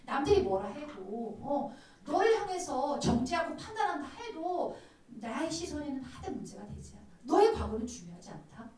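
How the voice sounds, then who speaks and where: A gentle, pleading savior speaks softly and coaxingly, as a woman pastor voices him. The voice sits high and lilts widely. It sounds distant in a very echoey room. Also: big pitch swings, moderate pace, hardly any pauses. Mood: tender, pleading. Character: gentle divine male savior, tender and pleading.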